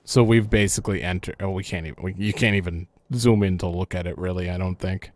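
A man's voice: deep voice, fairly even intonation, quick pace, a little mellow, dry recording. A young man casually commenting as he plays a horror game, rambling and thinking aloud. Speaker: gaming channel host. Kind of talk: casual let's-play commentary.

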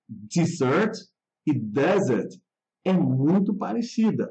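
A man teaching English in a live online lesson, speaking to viewers in a friendly way and slowing down to say model phrases clearly. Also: medium pitch, warm tone, lo-fi sound. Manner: friendly, addresses viewers directly.

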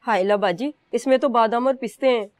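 Actress as a fussing simple housemaid. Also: female voice, on the high side, a little fast, a little mellow, dry recording, natural voice. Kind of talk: TV drama acting.

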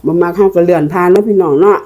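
Older female mukbang eating host, Isan Thai accent, relaxed dark timbre, folksy and conversational. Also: on the low side, very fast. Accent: Isan, northeastern Thai. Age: older, a grandmother. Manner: folksy, repeatedly addressing viewers as kin. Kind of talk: mukbang eating, casual chat to viewers while eating.

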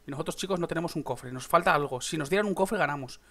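Excitable young gamer, higher voice. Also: male voice, fast. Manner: chatty, swears, bursts into excited shouts. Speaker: gaming YouTuber. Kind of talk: casual gameplay commentary.

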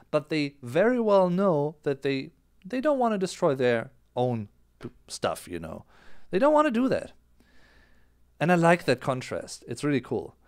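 A man's voice: fairly high pitch, smooth, no echo, clean studio sound. A man in his thirties with a German accent, a native German speaker, casually explaining song lyrics as a music reaction streamer on a headset. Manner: animated, gesturing with his hands. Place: small indoor room.

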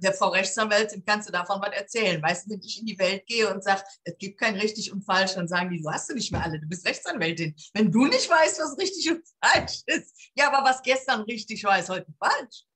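A middle-aged woman hosting a podcast over a video call, chatty and lively in casual conversation. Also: mid-range voice, a little fast. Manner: lively, chatty, laughs easily. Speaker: podcast host, lawyer. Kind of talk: casual interview chat. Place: home, indoors, green screen.

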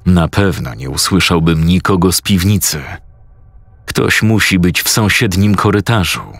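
A man narrating a scripted horror story in a tense, measured voice, close to a studio mic. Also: sits low, a bit bright, no echo.

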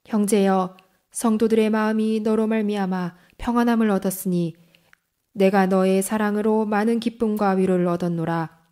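A woman reading Bible passages aloud in a slow, even, solemn manner. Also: medium pitch. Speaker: Bible reader. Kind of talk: scripture reading.

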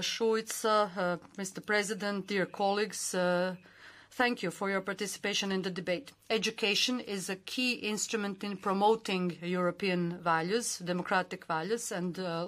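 A woman simultaneously interpreting formal conference speeches, with many filler pauses and a steady, formal delivery. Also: mid-range voice.

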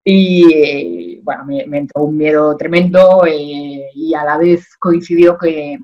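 Here is a woman, chatting as an interview guest. Her talk is animated and loose, full of fillers. She is on a webcam video call from a home office. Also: low-pitched, takes it slowly, highs cut off. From Madrid, Spain. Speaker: guest, social selling expert. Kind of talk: casual interview chat.

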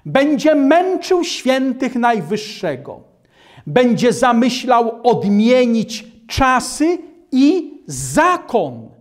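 Slow, lively-toned older male preacher. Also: very high-pitched. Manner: slow, measured delivery, reading Bible verses aloud. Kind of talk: sermon with scripture readings. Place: studio with a Bible backdrop, at a lectern.

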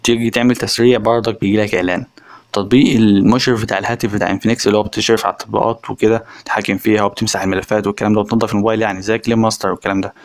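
Man, Egyptian accent, tech reviewer, extremely quick delivery, slightly low pitch, casual direct address. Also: little pitch movement. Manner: colloquial, chatty, direct address to viewers. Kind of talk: casual phone review voice-over.

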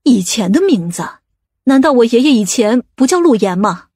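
A woman playing a practical, inquisitive sister in an audiobook family drama, measured and straightforward. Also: fairly high pitch, big pitch swings, mellow, slightly rough, dry recording, clean studio sound. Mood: curious.

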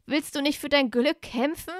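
Reading aloud, a woman voices a loyal, hot-headed young male wizard who urgently and pushily presses his friend. She pitches her high voice above her natural one, though it stays close to an everyday voice, at normal speed. The studio-quality recording has no echo.

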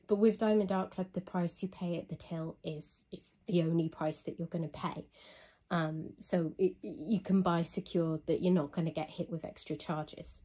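A young woman with a husky voice from illness, giving a chatty, unhurried review with frequent ums. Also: on the low side, fairly even intonation, mellow, poor audio. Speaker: hobby reviewer. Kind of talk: casual product review voice-over.

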